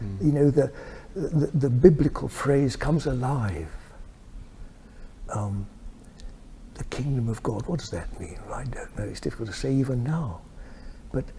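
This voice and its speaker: There is noticeable background noise as a man with a medium-pitched voice speaks in big swings of loudness. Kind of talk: interview answer. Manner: soft-spoken, slow, calm.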